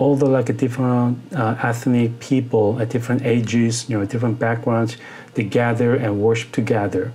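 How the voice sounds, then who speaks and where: With noticeable background noise, a man with a Korean accent speaks at a fairly slow pace. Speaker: pastor. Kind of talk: interview testimony. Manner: halting, many fillers.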